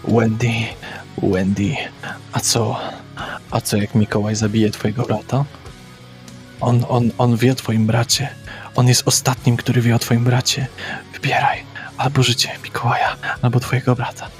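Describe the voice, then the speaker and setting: A man's voice: mid-range voice, level tone, moderate pace, faint music behind, close to an everyday voice. Man whispering as a tempting inner voice. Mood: coaxing whisper. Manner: hushed, coaxing, insistent. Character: tempting whispering voice in a vampire's head.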